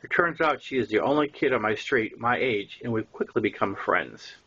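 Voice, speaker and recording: An older man with a Boston accent and a husky voice, reading his own first-person story as an audiobook narration. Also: lowish voice, expressive, moderate pace, sharp tone, dull audio.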